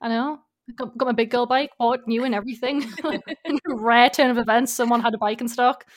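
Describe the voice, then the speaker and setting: Brief: upbeat female host, higher pitch, giggly, chatty. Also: steady tone, a little fast. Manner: bubbly, laughs often. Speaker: podcast host. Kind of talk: casual chat.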